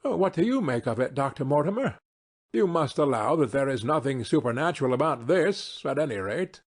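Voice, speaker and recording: Guy doing a sharp-minded audiobook detective, precise questions, polite, slightly rough-edged voice. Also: medium pitch, sing-song, brisk. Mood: probing. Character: keen, analytical male detective, brisk and courteous. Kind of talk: audiobook character reading.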